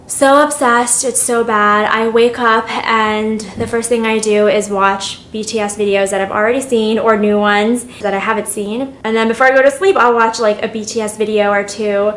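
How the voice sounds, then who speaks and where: In this get-ready-with-me vlog, a young woman applies makeup at home and talks openly, wandering from topic to topic and turning emotional at moments. She sounds a little high and a bit bright, with reverberation and slight background noise in the room.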